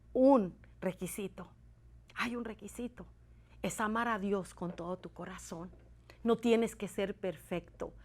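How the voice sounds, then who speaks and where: A woman preaching on a Christian TV program, building to loud, emphatic pleas. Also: mid-range voice. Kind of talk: impassioned sermon.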